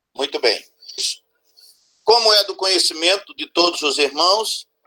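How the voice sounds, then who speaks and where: At a fairly slow pace, a man uses a raised, projected voice with a high pitch and ordinary pitch variation, in a dry, close sound with no echo. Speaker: pastor. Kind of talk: sermon. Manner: loud.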